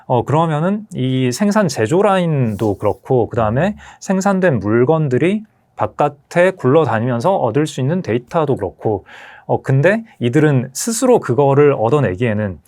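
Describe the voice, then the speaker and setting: A man who heads an asset management firm, explaining markets and technology as an interview guest in a measured, explanatory way. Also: mid-range voice, sing-song, a little mellow.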